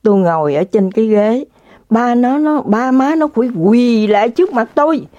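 A woman tells a story straight to her viewers, full of dramatic exclamations. Her voice is mellow and warm. The recording is dry and a little dull and lo-fi. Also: fairly high pitch, animated, moderate pace, no room sound.

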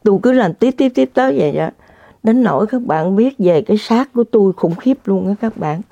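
A woman's voice: medium pitch, animated, brisk, vocal fry, warm tone, dry recording. A woman telling a story to her viewers in a casual, dramatic, exclamatory way. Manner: dramatic, exclamatory, speaks straight to the audience. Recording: dull lo-fi dry recording.

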